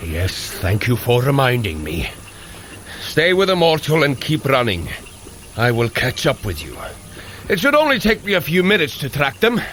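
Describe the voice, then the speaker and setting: An actor playing a hearty, bumbling god of thunder in an audio drama, speaking in grand, archaic heroic phrases. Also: male voice, mid-range voice, huge pitch swings, moderate pace, a bit bright, slight background noise. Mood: confident. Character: boisterous, hearty god of thunder, bumbling good-natured brother. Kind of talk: audio drama fitness adventure.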